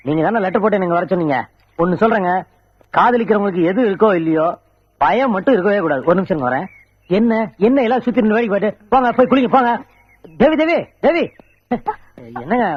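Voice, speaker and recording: An actor playing a brash young man who woos a woman with fast, pleading, comic boasting, on a dull old film soundtrack. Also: high voice, husky. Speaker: suitor. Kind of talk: Tamil film dialogue.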